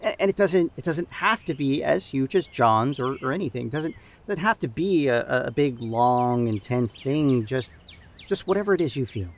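Earnest, animated male camp leader played by an actor. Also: medium pitch, natural voice. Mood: earnest, encouraging. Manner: halting, repeats and restarts phrases. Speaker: youth camp group leader. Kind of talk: improvised-sounding audio drama dialogue. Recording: outdoor background noise with birdsong.

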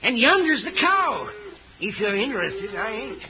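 An actor playing a grumpy, stubborn sheep rancher with a gruff drawl and curt replies, in 1940s radio acting style. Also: male voice, extremely high pitch, very animated, normal speed, a crowd in the background, exaggerated voice. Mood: grumbling. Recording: dull hissy old radio broadcast.

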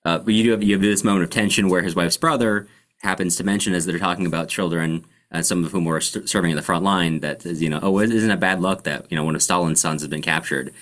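A man hosting a casual book discussion, explaining things in a halting way as he searches for words. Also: sits low, fairly even intonation, a bit bright. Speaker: podcast host.

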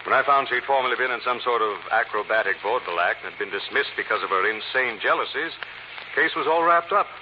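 A man's voice: medium pitch, expressive, fast talker, lightly acted. A man playing a suave, self-assured amateur detective in an old radio drama. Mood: assured, explanatory. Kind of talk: 1940s radio drama acting. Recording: noisy dull old radio recording.

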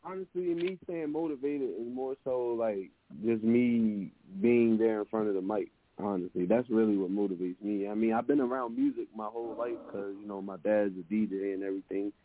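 Deep-voiced young man on a phone line. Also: moderate pace, hardly any pauses, dry recording. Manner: relaxed, hesitant, lots of fillers and restarts. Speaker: musician guest. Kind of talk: casual interview answers. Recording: dry, narrow phone-like sound.

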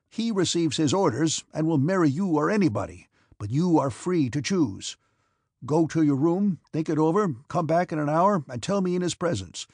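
A man reading the part of an irascible old prince who is a domineering father, with a sharp, scornful, shouting manner. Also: on the high side, gravelly, breathy edge, no room sound, studio quality, voice pushed up, exaggerated voice. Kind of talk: audiobook character reading.

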